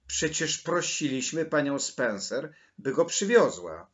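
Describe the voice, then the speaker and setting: A man voicing a stern older spinster woman with a sharp, scolding way of exclaiming. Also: fairly low pitch, sing-song, slow, muffled recording, full character voice. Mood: indignant.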